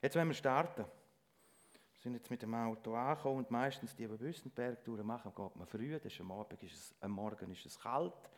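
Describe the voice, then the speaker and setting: A middle-aged man giving a lay sermon in church, speaking earnestly and haltingly with frequent restarts. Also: mid-range voice. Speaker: lay preacher.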